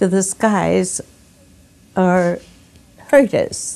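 The tone here is dark and mellow. It belongs to a woman. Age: 80s+. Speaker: artist and potter. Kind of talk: interview answer. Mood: reflective, warm reminiscing. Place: home room.

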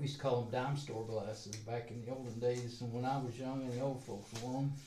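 At a moderate pace, the words come through over loud background noise. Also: man. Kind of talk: casual tutorial narration. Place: bathroom. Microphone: phone near.

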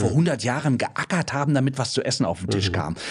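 Against a quiet background, a man talks at a medium pitch with lively intonation and a somewhat breathy voice. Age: 50s. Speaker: company representative and nutrition expert. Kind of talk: interview conversation. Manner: hesitant with frequent fillers.

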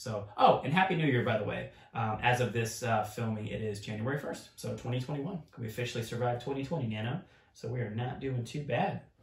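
Audible room echo surrounds a man talking at a fairly quick pace. His pitch varies in an ordinary way. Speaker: fitness trainer, host. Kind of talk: casual vlog chat. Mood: upbeat, relaxed. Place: home room. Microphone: camera far.

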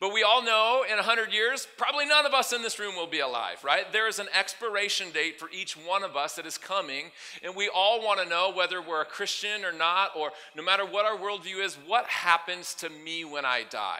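A man speaks in a raised, projected voice at a high pitch. His intonation is lively. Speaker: pastor. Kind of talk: sermon. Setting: church. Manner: animated. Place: church. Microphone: headset.

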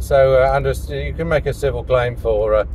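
The background carries a light layer of noise. Over it, a man talks. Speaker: driver vlogger. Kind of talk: casual vlog chat. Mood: wry, mildly annoyed. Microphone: phone near.

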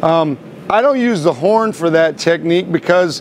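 A man at a moderate pace, ordinary pitch variation, light background noise. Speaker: bladesmith instructor. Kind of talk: tutorial. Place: workshop.

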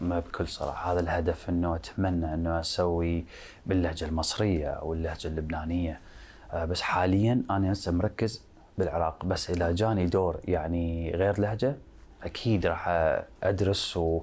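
Speaking with an Iraqi accent, a man holds a very deep, low pitch, fairly even intonation and very even loudness. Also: moderate pace. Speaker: actor. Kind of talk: interview. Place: home room. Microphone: lapel.

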